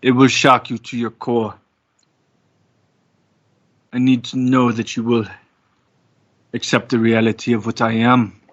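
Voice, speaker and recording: A man voicing a solemn, courteous tree creature from the swamp, speaking gravely and formally. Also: medium pitch, little pitch movement, measured pace, pauses often, natural voice. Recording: dull sound with music behind.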